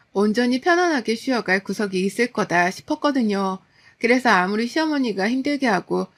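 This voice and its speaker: A woman in her thirties narrating a first-person story in a steady, aggrieved, confiding tone. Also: medium pitch. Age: 30s.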